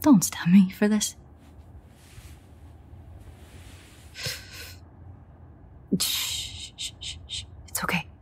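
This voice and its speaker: A woman playing a foul-mouthed, teasing but protective female vampire in an audio drama, with a hushed, breathy, near-whispered delivery. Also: mid-range voice, measured pace. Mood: anxious, soothing. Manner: sardonic, swearing, coaxing. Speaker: audio roleplay voice actor. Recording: faint ambient noise, rain.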